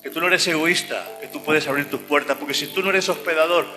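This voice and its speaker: A man's voice: a little high, fairly quick, bright, forceful tone, in a large hall. Fervent man preaching over music. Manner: fervent, repeats phrases, punctuates with "amén". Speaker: lay preacher and cell group leader. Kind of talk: sermon and closing prayer.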